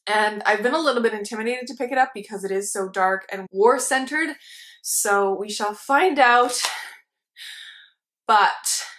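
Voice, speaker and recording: A woman's voice: medium pitch, fairly bright tone. A woman in her twenties, a book vlogger talking casually to camera at home, chatty and laughing often between words. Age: 20s. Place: living room with armchairs and a plant.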